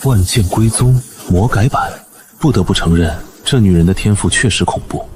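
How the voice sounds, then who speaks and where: A man voicing a calm, smug young male sword master in an animated series, talking in a cool, teasing, unhurried way. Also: on the low side, music in the background, close to an everyday voice. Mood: cocky.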